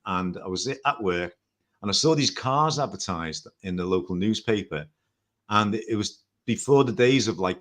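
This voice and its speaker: A man's voice: on the low side, a bit bright. Chatty older Liverpool man. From Liverpool, England. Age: 60s. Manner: chatty, rambling, self-correcting with light jokes. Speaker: guest. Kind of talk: casual storytelling interview.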